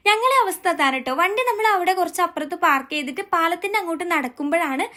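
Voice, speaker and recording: A woman's voice: extremely high pitch, lively intonation, fast talker, pushed and bright. A woman with a Kerala Malayali accent chatting as a vlog host, mixing English words into her Malayalam.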